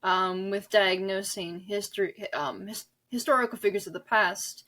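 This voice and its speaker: A woman's voice: medium pitch, fairly even intonation, normal speed, a bit bright. A woman guest in a conversational podcast interview, talking in an earnest, emphatic, rambling way. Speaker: interview guest, author and audio drama director.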